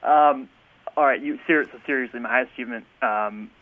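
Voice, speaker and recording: A man's voice: medium pitch, brisk. A man calling in to a talk show, an airline pilot who talks casually and hesitantly, with many ums and restarts, over a telephone. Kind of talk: casual call-in chat. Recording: tinny phone line.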